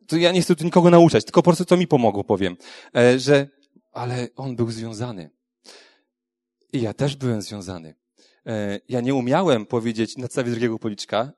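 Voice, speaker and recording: Man sharing a candid faith testimony, plain mid-range voice, chatty and halting, recorded dry. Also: mid-range voice, a little mellow, no room sound. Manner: conversational, frequent tag questions and restarts; frank and earnest. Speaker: speaker giving a faith testimony. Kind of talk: personal testimony talk.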